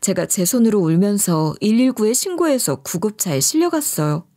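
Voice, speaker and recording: A woman's voice: medium pitch, sing-song, moderate pace, dark tone. A woman narrating her own story in the first person, emotional and confiding.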